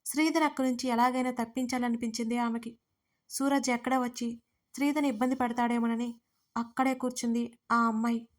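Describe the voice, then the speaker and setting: A woman narrating a serialized audio story in a steady, even reading. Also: on the high side, a little fast.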